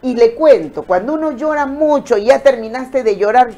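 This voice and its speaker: A woman giving an expressive motivational talk on emotions and the brain, speaking straight to viewers and acting out quoted voices. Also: sits high, moderate pace.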